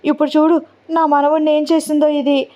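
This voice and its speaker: A woman's voice: high-pitched, level tone, a little fast, warm tone, voice pushed up, lightly acted. A woman voicing a harsh elderly grandmother who scolds and accuses. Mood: scolding.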